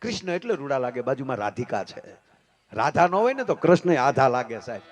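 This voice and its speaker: Folk comic; moves from hushed to booming and preachy. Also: male voice, big pitch swings, a little fast. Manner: swings from hushed asides to loud preachy declamation. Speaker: folk comedian and storyteller. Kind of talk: folk humor stage storytelling.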